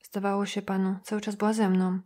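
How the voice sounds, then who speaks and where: A woman's voice: medium pitch, flat delivery, fast, mellow, close to an everyday voice. Woman reading as a blunt, firm woman. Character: firm, no-nonsense adult woman.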